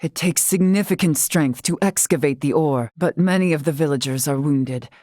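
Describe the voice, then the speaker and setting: Woman as low-voiced, stately tribal leader. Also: mellow, no room sound, clean studio sound, lightly acted. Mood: gentle, grave. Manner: formal, archaic, measured, stately diction. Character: dignified older woman, wise tribal leader and warrior. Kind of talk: scripted video game voice acting.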